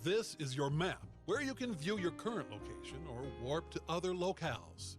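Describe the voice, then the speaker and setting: A man's voice: fairly high pitch, big pitch swings, normal speed. A man voicing a chatty, cheeky robotic personal assistant in a video game, with perky, teasing patter. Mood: helpful, instructive. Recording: music under the voice.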